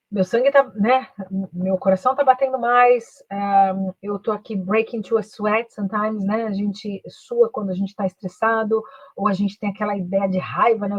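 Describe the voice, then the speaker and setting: Lady coaching a live stream, breathy voice, bit muffled and dry, tosses in "né" and "ok" all the time. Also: medium pitch, dry recording. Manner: switches between Portuguese and slow English, frequent "né" and "ok" tags. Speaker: career and English coach. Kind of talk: live online talk, mixing Portuguese and English.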